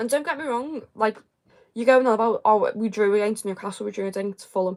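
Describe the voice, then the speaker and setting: A woman with a Liverpool accent speaks at a fairly high pitch with ordinary pitch variation in a very clean recording with a silent background. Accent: Liverpool (Scouse). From Liverpool, England. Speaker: football fan vlogger. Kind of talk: live stream chat reading comments. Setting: live stream.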